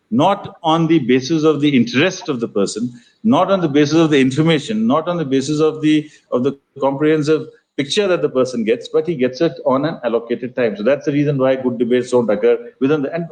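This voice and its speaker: A man's voice: a little high, a little mellow, low-quality recording. An older man with an educated Indian accent explains things conversationally in an interview, articulate and formal in vocabulary, circling back and repeating phrases as he goes. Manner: discursive, halting, repeats phrases while explaining. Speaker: interview guest, festival organiser.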